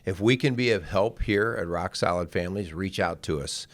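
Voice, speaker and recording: A man's voice: low-pitched, normal speed, no echo. A middle-aged man hosting a radio talk show in a conversational, earnest and encouraging manner.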